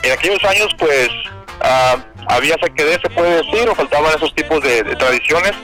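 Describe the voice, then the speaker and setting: A man's voice: fairly high pitch, animated, fairly quick, bright, forceful tone, faint music behind, rough recording. Nervous Mexican man, hesitant radio guest. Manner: hesitant, many fillers and restarts. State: nervous on air. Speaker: rodeo promoter, interview guest. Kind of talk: radio interview.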